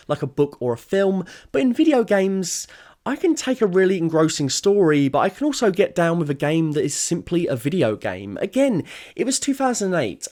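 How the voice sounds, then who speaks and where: A man's voice: fairly high pitch, darkish tone. A young man giving scripted opinion narration as a video essayist, conversational, opinionated and emphatic.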